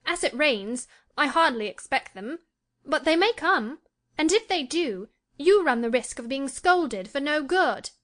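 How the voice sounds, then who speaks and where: A woman doing a peevish spoiled teenage girl. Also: a little slow. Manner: petulant, lively and high.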